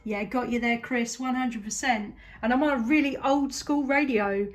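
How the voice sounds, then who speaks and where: A woman with a southern English accent and a fairly high voice works as a radio operator. She talks in a casual, upbeat way, chatty and keen as she trades calls and signal reports. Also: moderate pace, a little hiss or hum. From southeast England. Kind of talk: casual long-distance CB radio exchange.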